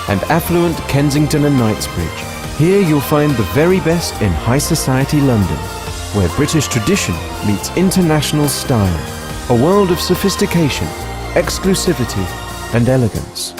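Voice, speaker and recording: A man giving a smooth, aspirational advert read. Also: a little high, big pitch swings, normal speed, over music. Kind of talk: luxury property advert.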